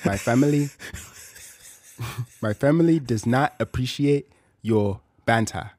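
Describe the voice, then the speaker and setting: A man's voice: mid-range voice, takes it slowly, a little mellow, no room sound, clean studio sound. A man voicing an offended male foreign fan who scolds in stilted phrases. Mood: scolding.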